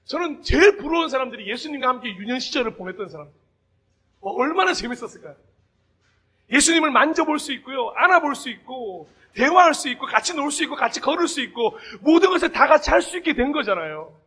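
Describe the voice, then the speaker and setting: A man pastor giving a Sunday sermon, talking to the congregation conversationally, asking them direct questions and bursting into shouted emphasis. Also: very high voice, expressive, quick pace.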